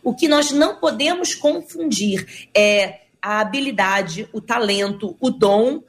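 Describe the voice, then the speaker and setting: Woman pastor, calm devotional teaching voice for a faith talk panel. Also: fairly high pitch, takes it slowly. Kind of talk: Christian radio discussion panel.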